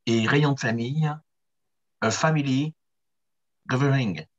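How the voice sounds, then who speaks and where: A man's voice: medium pitch, unhurried, lo-fi sound. A man reciting English vocabulary in an online class, hesitant and careful, heard over call audio. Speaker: student.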